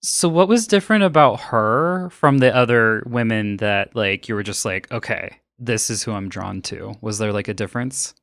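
Male podcast host, friendly and upbeat, low voice, dry close recording. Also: moderate pace, gravelly, hardly any pauses, fairly bright tone, dry recording. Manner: upbeat, laughs easily. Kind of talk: scripted podcast intro and interview.

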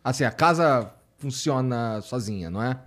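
A man hosts a relaxed chat. His voice sits in an ordinary middle range, and he reacts bluntly, using plenty of slang. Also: mid-range voice, moderate pace. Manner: laid-back, blunt, slangy. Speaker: host. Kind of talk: casual interview chat.

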